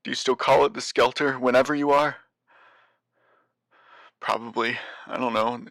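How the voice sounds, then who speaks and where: An actor playing an anxious, weary man taping a warning in an audio drama, halting and self-doubting as he rambles. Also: medium pitch, steady tone, fairly bright tone, dry recording, close to an everyday voice. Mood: hesitant, uneasy. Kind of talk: audio drama monologue as a taped message.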